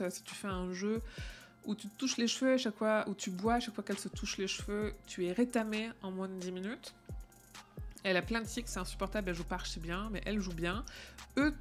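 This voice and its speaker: Chatty woman streamer, faint music behind. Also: mid-range voice. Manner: chatty, with many fillers and restarts. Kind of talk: casual live-stream chat.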